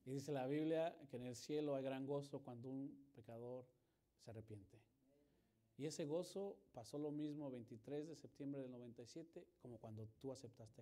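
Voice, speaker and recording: A male pastor preaching a sermon, swinging from loud emphasis to hushed storytelling and acting out the dialogue he quotes. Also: mid-range voice. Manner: acts out quoted dialogue in his telling.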